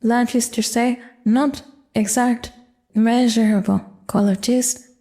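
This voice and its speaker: An older woman explaining grammar in a measured, careful lecture. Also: on the high side, dark tone. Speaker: Japanese language teacher. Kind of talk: grammar lesson narration.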